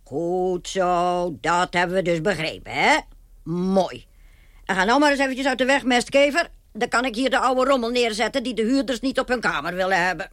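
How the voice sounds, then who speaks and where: A woman's voice: mid-range voice, normal speed, a bit bright, natural voice. A woman in a radio play playing a brash, nosy charwoman with a chatty, colloquial, fearless manner. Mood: taunting, bossy.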